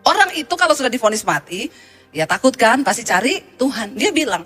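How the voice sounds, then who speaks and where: A woman's voice: on the high side, sing-song, brisk, a bit bright, slightly rough, faint music behind. A woman pastor preaching a sermon, animatedly retelling congregants' testimonies.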